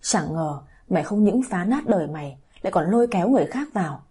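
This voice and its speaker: A woman's voice: on the low side, animated, fast, dark tone, husky. A woman voicing a heartbroken older mother, crying and scolding harshly. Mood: anguished anger. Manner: wailing, harsh.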